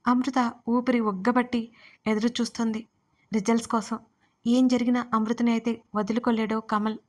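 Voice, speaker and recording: A woman narrating a romance audio story in a steady, even storytelling manner. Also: a little high, normal speed.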